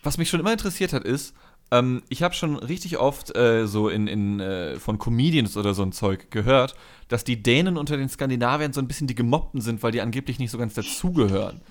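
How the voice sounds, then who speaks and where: A man co-hosting a casual chat, curious and asking questions with lively reactions. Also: medium pitch, fairly quick.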